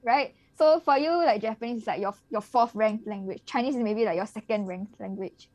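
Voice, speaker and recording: A woman with a somewhat high voice explains things steadily as a guest in a relaxed conversation. The sound is dry and close, with no room echo. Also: fairly quick. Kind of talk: casual conversation.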